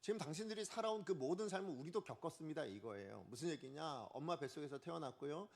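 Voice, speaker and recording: A man's voice: fairly high pitch, fast talker, creaky. A man preaching a Sunday morning sermon as pastor, asking the congregation questions and acting out quotes. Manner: lively, asks the congregation questions and acts out quotes. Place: church sanctuary.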